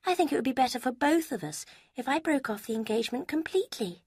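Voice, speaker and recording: A woman's voice: high voice, expressive, quick pace, darkish tone, breathy edge, dry recording, clean studio sound, voice pushed up. Woman voicing a sly, falsely sweet young lady. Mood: confiding.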